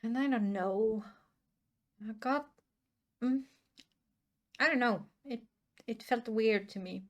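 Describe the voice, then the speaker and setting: A woman's voice: fairly high pitch, slow. A woman whose first languages are Swedish and Norwegian, hosting casual reaction commentary and thinking aloud with many restarts. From Sweden or Norway. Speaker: reaction channel host.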